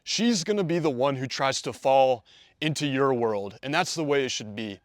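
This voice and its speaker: A man talks straight to the camera as a dating coach, confident and conversational. His voice sits at an ordinary middle pitch. The sound is close and dry, with no room echo. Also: expressive, moderate pace. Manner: confident, conversational, acts out quoted dialogue. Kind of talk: direct-to-camera coaching video.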